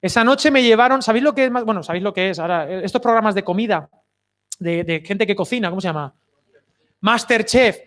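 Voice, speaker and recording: A man's voice: high-pitched, fast talker, a bit bright. A man preaching a sermon, telling anecdotes and putting rhetorical questions to his listeners. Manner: storytelling, asks the audience rhetorical questions. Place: open-air summer cinema.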